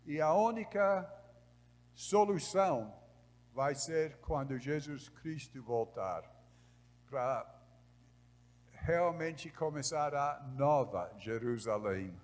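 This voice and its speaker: A man preaching in Portuguese with a Brazilian Northeastern accent, a missionary whose first language is English, delivering a measured sermon in a church. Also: on the high side. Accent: Brazilian Northeastern Portuguese, as a foreign speaker. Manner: slow, measured preaching that grows louder when reading scripture. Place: large church hall. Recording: reverberant church hall.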